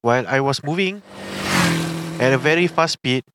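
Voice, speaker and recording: A man's voice: medium pitch, moderate pace, background noise. A man with a Singaporean accent tells a personal story casually in Singlish, with lah and Malay words, often repeating and restarting his phrases.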